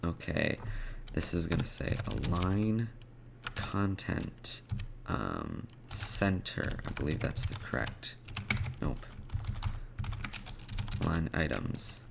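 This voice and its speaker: A man with a low, gravelly voice talks through a programming tutorial in halting fragments, thinking aloud as he goes. Keyboard clicks and typing sit behind him, along with some background noise. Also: sing-song. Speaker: web development tutorial host. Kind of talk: informal screencast coding tutorial, explaining steps while typing. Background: computer keyboard typing and clicks.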